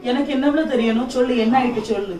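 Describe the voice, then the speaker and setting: A woman's voice: on the high side, very fast, a little mellow, lightly acted. A woman playing a tired, teasing husband with a Tirunelveli Tamil accent, pleading again and again with his wife in an amateur family skit. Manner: pleading, repeats his question over and over. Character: weary teasing husband, middle-aged man. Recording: echoey room, mic far off.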